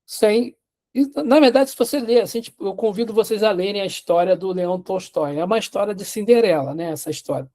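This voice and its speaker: A man's voice: high voice, a little fast, darkish tone. A man teaching a class by retelling a story in a casual, conversational way, with frequent restarts and tag questions.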